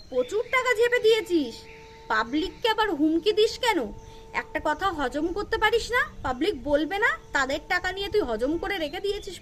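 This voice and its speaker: A middle-aged woman with a very high, piercing voice delivers a scolding roast monologue to her camera at home. She is confrontational and hammers her points with repeated rhetorical questions. A faint background noise sits under her voice. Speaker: roast vlogger.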